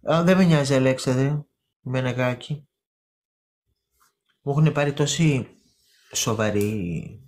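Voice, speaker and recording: A woman's voice: extremely low pitch, long pauses, darkish tone. A woman hosting a casual live stream, chatting and gossiping with her viewers, calling them by name and repeating words for emphasis.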